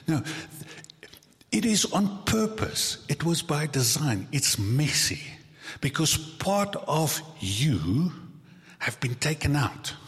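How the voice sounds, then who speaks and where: A male pastor preaching a sermon in a church, animated and conversational, acting out quoted voices and joking with his congregation. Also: medium pitch. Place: church sanctuary. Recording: long reverb of a large hall.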